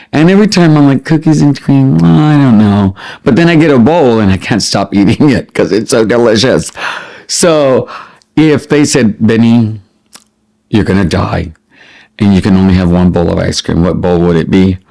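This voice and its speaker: A middle-aged man chatting casually as a vlogger, expressive and prone to wandering off on tangents as he answers questions. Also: medium pitch, normal speed, vocal fry. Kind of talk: casual chat to camera, answering listed questions.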